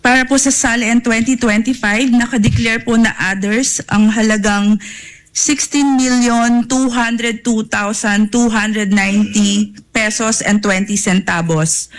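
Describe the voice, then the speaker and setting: A woman's voice: on the high side, low-quality recording. A woman testifying as a witness at a hearing, formally reading long money amounts from records. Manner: formal, reads long peso amounts with polite particles.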